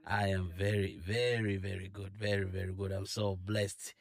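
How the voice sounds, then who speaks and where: A man's voice: low voice, level tone, normal speed. A Zambian man hosting a live Christian radio show, upbeat and playful, interviewing guests in the studio. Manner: upbeat, playful, affirming with frequent hums. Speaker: radio host.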